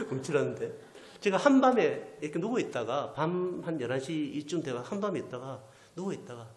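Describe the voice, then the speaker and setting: A male pastor delivers an animated storytelling sermon at a moderate pace, his pitch swinging widely as he acts out the voices of people he quotes. Sometimes he drops almost to a whisper, and the sound echoes through a church sanctuary.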